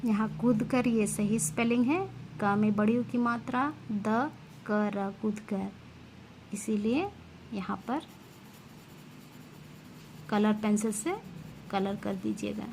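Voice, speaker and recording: Slow, clear woman teacher for small children. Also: medium pitch, darkish tone, slight background noise. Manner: slow and clear, stretching each word for young pupils. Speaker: school teacher. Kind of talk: slow children's reading lesson.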